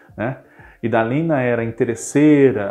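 A man with a plain, everyday voice, medium pitch and fairly even intonation. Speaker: YouTube channel presenter on TV history. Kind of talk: solo presentation video. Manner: frequent fillers like né.

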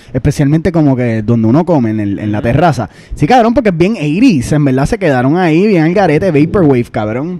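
Over noticeable background noise, a man with a fairly high pitch talks at a fairly quick pace with hardly any pauses and very wide pitch swings. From Puerto Rico, San Juan metro area. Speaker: podcast co-host. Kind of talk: casual chat. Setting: live-streamed studio recording. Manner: animated.

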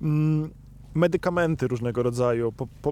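A man speaks at a fairly high pitch, with a dark, mellow tone. His pace is moderate and his pitch variation ordinary. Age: 30s. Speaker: survival instructor and YouTuber. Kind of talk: casual interview. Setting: earth shelter by a campfire.

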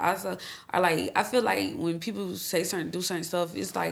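A woman's fairly low-pitched, animated voice with vocal fry, at a fairly quick pace. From Florida. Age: 20s. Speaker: podcast host. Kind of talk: casual chat. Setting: studio.

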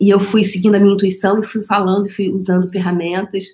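At a fairly quick pace, a woman speaks in a somewhat breathy voice of medium pitch. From Rio Grande do Sul, Brazil. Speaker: energy coach and live-stream host. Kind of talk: live-stream coaching talk. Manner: animated.

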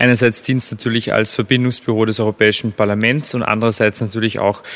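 This man's medium-pitched voice moves at a fairly quick pace with monotone, flat intonation. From Austria, Vorarlberg. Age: 20s. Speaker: political candidate. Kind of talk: interview.

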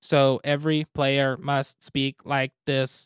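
A man does a robotic, put-on character voice at medium pitch. He talks at a very slow pace in a monotone, flat intonation. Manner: robotic monotone.

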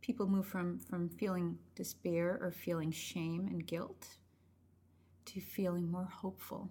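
A woman speaks at a fairly slow pace with a fairly low pitch. Her voice is somewhat breathy and her intonation fairly even. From US, Miami, Cuban-American family. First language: Spanish. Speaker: clinical psychologist. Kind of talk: interview.

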